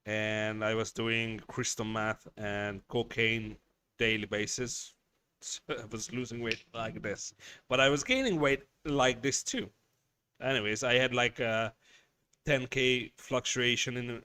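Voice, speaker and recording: A man's voice: on the low side, steady tone, takes it slowly, pushed and bright, clean tone. A man hosting a casual livestream, chatting with viewers, reading their messages and swearing bluntly as he rambles. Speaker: livestream host.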